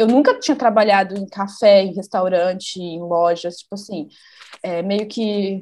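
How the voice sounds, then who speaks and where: Speaking at a fairly slow pace, a woman uses a plain, everyday voice with medium pitch and ordinary pitch variation. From Brazil. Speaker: emigrant guest. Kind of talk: casual interview.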